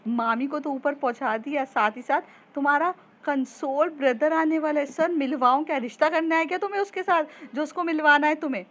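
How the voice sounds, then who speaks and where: A woman voicing a jealous, hot-tempered young woman student who shouts and mocks, in a storytelling podcast. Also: sits high, lively intonation, moderate pace, dull audio. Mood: mocking, angry. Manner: shouting, scolding, mocking.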